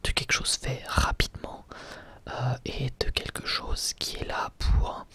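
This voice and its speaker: A man's voice: unhurried, sharp tone. Young man whispering ASMR commentary. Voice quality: breathy, unvoiced whisper. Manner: hesitant, unscripted, conversational. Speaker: ASMR video creator giving commentary.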